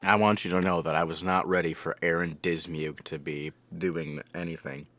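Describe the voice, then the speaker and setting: A man with a low-pitched voice reacts to a show as its host. His commentary is casual and joking, wandering and halting as he goes, and the recording is dry and close. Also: fairly even intonation, a bit bright, no room sound. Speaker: anime reviewer and reaction host.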